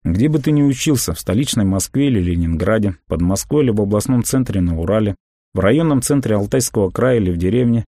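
Low, mellow-voiced man narrating a memoir. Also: dry recording, studio quality. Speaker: audiobook narrator.

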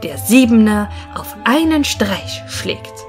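A woman's voice: a little high, sing-song, slow, faint music behind. A woman voicing a cheeky, boastful little male tailor in a fairy-tale audiobook, sounding sure of himself. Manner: boastful, self-assured.

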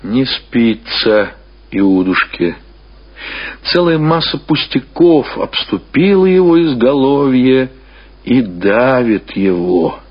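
Male narrator for literary radio reading; husky, slow, expressive phrasing, slightly muffled vintage sound. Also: medium pitch. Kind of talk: scripted dramatic literary narration. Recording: dull old radio recording.

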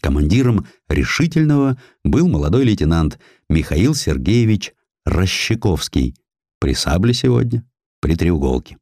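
Guy reading a history audiobook, deep voice, really expressive, dry close sound, weighty pauses. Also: no room sound. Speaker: audiobook narrator. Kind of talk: dramatised historical narration.

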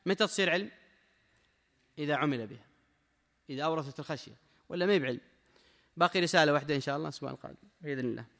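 Sheikh teaching a lesson, talks fast, hammers points with repeats, long hall echo. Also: male voice, on the high side, creaky, a bit bright. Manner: emphatic, with repeated short phrases. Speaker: religious teacher. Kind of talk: mosque lesson reading and explaining a text. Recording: long reverb of a large hall.

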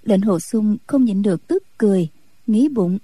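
A woman reading a martial-arts storybook aloud in a steady, even-paced narration. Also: medium pitch, normal speed, husky, no echo, low-quality recording. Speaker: audiobook narrator.

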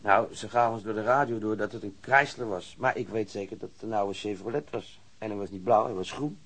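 A man playing a self-assured wounded policeman in a radio drama, matter-of-fact, pausing as he recalls. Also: on the low side, a bit bright, breathy edge. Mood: recalling, assured. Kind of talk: naturalistic radio drama acting.

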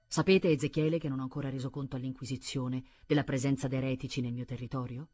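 A woman reading the part of a cold, scheming nobleman in a commanding, bitter manner, with a husky voice. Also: rumbling low, fairly even intonation, fast, mellow. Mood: imperious. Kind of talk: audiobook reading.

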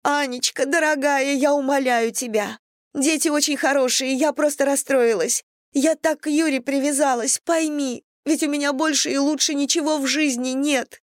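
A woman's voice: a little high, moderate pace, darkish tone, dry recording, clean studio sound, voice pushed up, natural voice. A woman voicing a desperate middle-aged doctor who begs tearfully in an audiobook. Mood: pleading. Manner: tearful begging.

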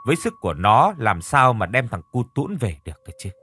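Lively male horror story narrator. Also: medium pitch, a little fast, slight background noise. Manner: steady storytelling, acting out characters' lines.

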